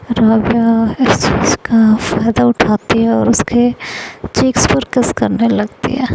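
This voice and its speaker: Woman storyteller, gravelly, flat delivery, noisy recording. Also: a little high. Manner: reads the characters' quoted lines in her own voice. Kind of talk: narrated audio story with character dialogue.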